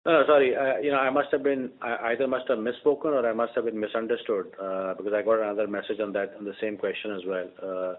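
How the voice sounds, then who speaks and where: A man's voice: on the low side, fairly even intonation, fast talker, few pauses. Man on a narrow-band conference line. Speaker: company executive. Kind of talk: earnings call answer. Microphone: conference call line.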